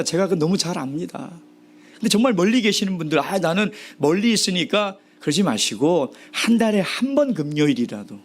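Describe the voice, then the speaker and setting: A man preaching a sermon as pastor, asking the congregation rhetorical questions and dropping now and then to a whisper. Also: fairly high pitch. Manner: animated preaching with sudden drops to a whisper.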